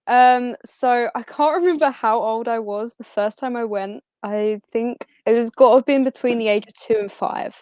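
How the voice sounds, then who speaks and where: A woman's voice: a little high, darkish tone, dry recording. A young woman chatting casually as a guest, cheerful and informal. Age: young adult. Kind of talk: casual chat.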